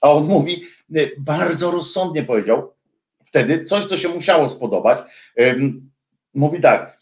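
A man's voice: on the high side, animated, a little slow. Heated man ranting in an echoey room. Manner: heated, scornful, many hesitation fillers. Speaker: political commentator. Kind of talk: ranting monologue to viewers.

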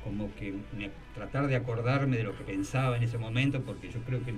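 A man's voice: mid-range voice, brisk. A man in a casual writing club chat, thoughtful and hesitant. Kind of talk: casual conversation. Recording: distant from the mic, faint music.

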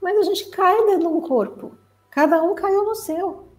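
A woman from Brazil, giving a spiritual talk to her viewers as a teacher and therapist, lively and expressive, acting out the inner voice of the mind. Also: extremely high pitch, measured pace, faint music behind, rough recording.

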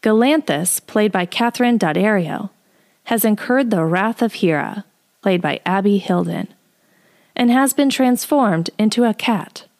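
A woman's voice: mid-range voice, expressive, measured pace, darkish tone. A woman presenting an audio drama podcast, reading a scripted introduction.

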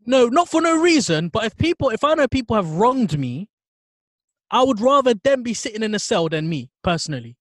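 A man's voice: extremely high pitch, sing-song, brisk, dry recording, clean studio sound. A man with a London roadman accent, chatting and arguing casually in street slang. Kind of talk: casual chat, debating.

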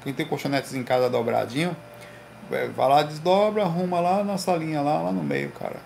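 Gravelly man chatting on a livestream. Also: a little high, normal speed, slight background noise. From Recife, Brazil. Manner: slangy, animated storytelling with lots of "velho" and "cara". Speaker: livestream host. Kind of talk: casual livestream chat with viewers. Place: home room.

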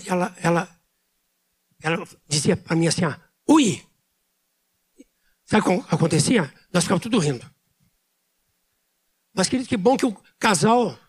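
A man preaching a sermon as pastor, speaking loudly with pauses and emphatic repetition. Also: high voice, husky. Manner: speaks loudly by his own account.

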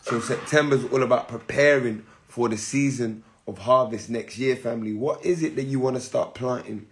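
A man with a hoarse voice giving an easygoing spiritual talk to his listeners, calling them family again and again. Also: medium pitch, moderate pace. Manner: keeps saying "family", easygoing and encouraging. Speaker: spiritual teacher and podcast host. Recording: music playing behind.

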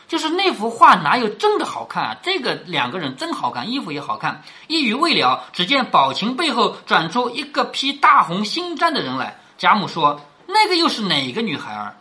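A woman's voice: medium pitch, wildly swooping pitch, moderate pace, few pauses, sharp tone. A woman reading a classic novel aloud and explaining it in a chatty way, often asking rhetorical questions.

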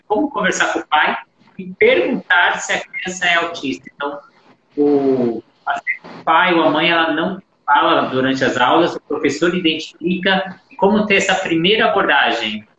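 Bright-voiced live-stream host. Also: male voice, fairly high pitch, moderate pace, lo-fi sound. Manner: relays viewer questions and wraps up. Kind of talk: hosting a live interview, reading viewer questions. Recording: echoey room with faint noise.

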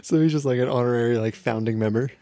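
A man co-hosting a podcast, commenting live on an awards show in an excitable, joking way with plenty of swearing. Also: mid-range voice, quick pace, dry recording, clean studio sound. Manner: excitable, swears often, jokey. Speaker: podcast co-host.

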